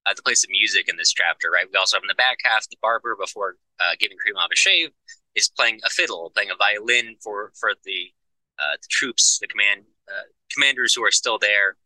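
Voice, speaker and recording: Casting: man, lowish voice with a very bright, forceful edge, calm explainer on a book podcast. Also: brisk, dry recording, low-quality recording. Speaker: podcast co-host discussing a novel. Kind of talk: casual book discussion.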